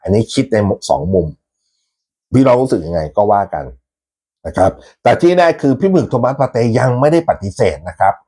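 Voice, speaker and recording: Man, football fan channel host, casual rambling chat, laughs often, mid-pitched voice. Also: a little mellow. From Thailand. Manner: chatty, rambling, laughs often, mild swearing. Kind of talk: casual fan commentary to viewers.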